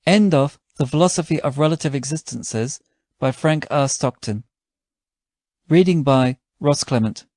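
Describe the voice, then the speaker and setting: A man's voice: fairly high pitch, unhurried, a little mellow, no echo, studio quality. A man reading literary fiction aloud as a scripted audiobook narrator. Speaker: audiobook reader.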